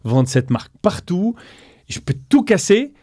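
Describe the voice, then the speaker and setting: Middle-aged guy telling his business story, really animated, acts out the quotes, mellow voice, dry sound. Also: high-pitched, unhurried, no room sound. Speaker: guest entrepreneur. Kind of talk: storytelling interview.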